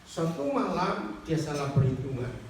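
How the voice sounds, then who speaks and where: A male preacher giving an animated sermon, telling a story and quizzing his congregation directly. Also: on the high side, a little slow. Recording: echoey hall from far off with faint noise.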